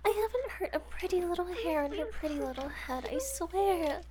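A woman's voice: very high voice, lively intonation, moderate pace, over a noisy crowd. A woman playing a giggly, unhinged young woman kidnapper who teases and whispers asides in a sweetly menacing way. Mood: defensive. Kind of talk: audio roleplay acting.

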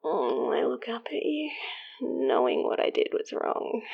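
A woman whispering an intimate roleplay in a breathy, sighing way, with soft laughs. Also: fairly high pitch, sing-song, takes it slowly, muffled recording. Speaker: audio roleplay performer.

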